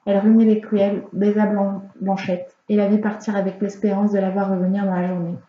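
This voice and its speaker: A woman reading a fairy tale aloud as an audiobook reader, in a calm, measured storytelling manner. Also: medium pitch. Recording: roomy, slightly dull home recording.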